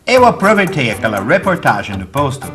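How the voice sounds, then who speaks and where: A man with a Brazilian Portuguese accent presenting a scripted TV English lesson, stressing each example clearly. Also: medium pitch, big pitch swings, brisk. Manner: didactic, emphatic on examples. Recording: music bed underneath.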